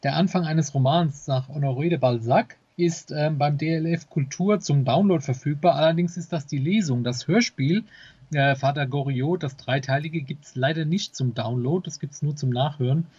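Husky male podcast co-host, dull recording. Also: fairly high pitch, moderate pace, a little mellow, dry recording. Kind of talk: casual podcast announcements of new releases. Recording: slightly dull, lo-fi sound.

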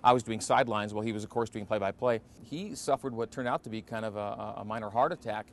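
Forties male announcer, low voice, easygoing interview answers, faint hiss underneath. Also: fast. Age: 40s. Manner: relaxed, reflective, many fillers. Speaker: play-by-play radio announcer. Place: empty indoor basketball arena.

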